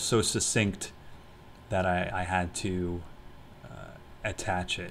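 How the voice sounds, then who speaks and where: Very deep, low male voice, room echo audible. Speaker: video essayist. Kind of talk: lecture. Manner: halting.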